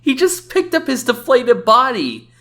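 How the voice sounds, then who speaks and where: A woman's voice: on the high side, wildly swooping pitch, a little slow, a bit bright. A woman giving casual, sarcastic reaction commentary as a video game reviewer, often exclamatory. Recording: voice-over with faint game music.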